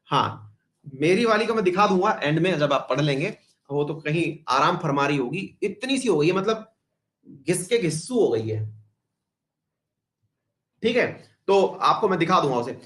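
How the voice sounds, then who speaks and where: A slightly high, fairly bright male voice, expressive and measured, with long pauses. He's running an online exam-prep history lesson, chatting, putting questions to the class, straying into asides, and dropping English terms along the way.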